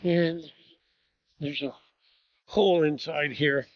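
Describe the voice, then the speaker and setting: A man with a fairly high voice talks slowly and quietly on a handheld camera. He is inside a big, empty metal grain bin, and each word echoes back off the curved walls. His walkthrough is relaxed and casual, with plenty of fillers. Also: lo-fi sound. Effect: echoey voice inside a large metal grain bin. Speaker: farmer showing a grain bin build.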